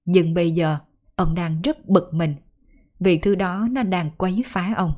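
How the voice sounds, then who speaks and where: A woman storyteller narrating a folk ghost story in a measured, even way. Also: on the low side.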